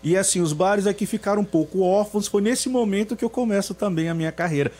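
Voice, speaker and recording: A man's voice: high-pitched, fast, a little mellow. Reflective man from being interviewed. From São Luís, Maranhão, Brazil. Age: around 50. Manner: reflective, hesitant, many restarts. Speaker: singer guest. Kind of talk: radio interview.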